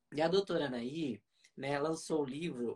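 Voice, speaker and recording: A man with a plain, everyday voice. His pitch sits fairly high and moves with ordinary variation. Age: 20s. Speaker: podcast host and therapist. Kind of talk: live-streamed interview. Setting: Instagram live stream.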